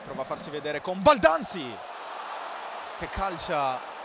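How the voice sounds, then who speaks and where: High-voiced Italian male football commentator. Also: big pitch swings, measured pace, crowd noise. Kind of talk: live football match commentary. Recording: commentary over stadium noise.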